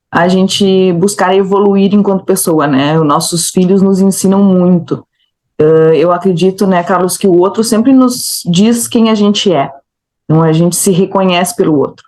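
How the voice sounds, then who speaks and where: A woman's medium-pitched voice with a dark, mellow tone, very even loudness and ordinary pitch variation over a quiet background. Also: moderate pace. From southern Brazil, Rio Grande do Sul (Uruguay border). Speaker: psychologist. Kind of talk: interview.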